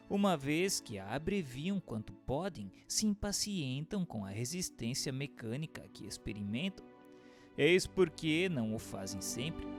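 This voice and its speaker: A man with a Brazilian accent reading scripted narration in a formal, didactic way. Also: medium pitch. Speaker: narrator and questioner. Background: music.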